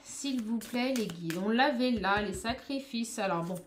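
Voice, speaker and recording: Spiritual reader, woman, high small voice, speaks straight to her viewers, faint background noise. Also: animated, measured pace. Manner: addresses viewers directly, exclamatory, calls on spirit guides. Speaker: spiritual coach doing card readings. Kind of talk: tarot reading to camera.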